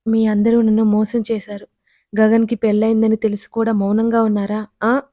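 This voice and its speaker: A woman's voice: a little high, completely flat delivery, moderate pace, dark tone, dry recording, close to an everyday voice. A woman voicing a distraught young woman who screams and sobs in anguish. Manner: screaming and sobbing.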